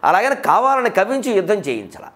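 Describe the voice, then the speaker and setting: A man's voice: high-pitched, wildly swooping pitch, fairly quick, a bit bright. Emphatic male lecturer, rhetorical questions. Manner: emphatic, rhetorical questions, mimics others mid-speech. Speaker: lecturer on literature. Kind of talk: public lecture on poetry and culture.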